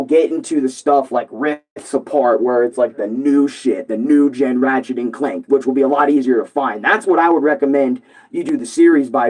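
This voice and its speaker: A young man with a hoarse voice, a gaming streamer ranting casually and loosely to his viewers, swearing and rambling with lots of fillers. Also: mid-range voice, a little mellow, low-quality recording.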